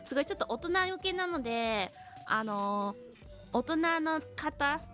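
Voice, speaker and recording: A woman live streamer chatting casually and switching between languages. She speaks slow, simple English for learners and reads out viewers' names in an upbeat, giggly way. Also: on the high side, expressive, music in the background.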